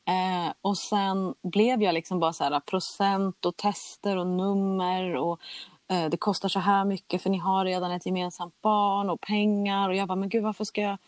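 A woman's voice: medium pitch, flat delivery, dry recording. A young adult woman tells a personal story in a candid, chatty way and acts out the conversations she recounts. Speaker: guest telling her story.

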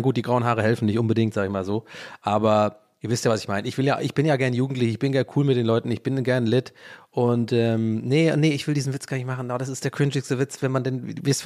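A man's voice: mid-range voice, a little mellow. German guy rambling solo on his podcast mic, jokey and self-mocking, keeps losing the thread. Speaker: podcast host. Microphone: home podcast microphone.

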